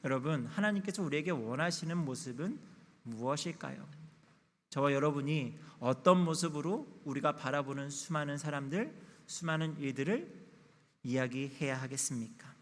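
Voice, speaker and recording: A man's voice: a little high, normal speed. A pastor in his thirties giving a candid, confessional sermon in a church sanctuary. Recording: long church reverb.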